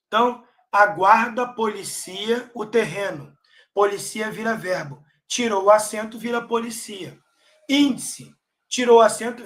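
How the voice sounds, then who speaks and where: Speaking Brazilian Portuguese in a high-pitched voice, a male teacher gives an exam-focused grammar class online. He punches key words loudly and keeps checking on his students.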